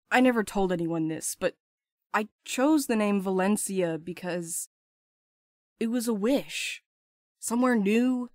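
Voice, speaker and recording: A woman's voice: mid-range voice, no room sound, clean studio sound, natural voice. A woman playing a restless, blunt courier in an audio drama, urgent and sardonic, eager to escape. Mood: earnest, confessing.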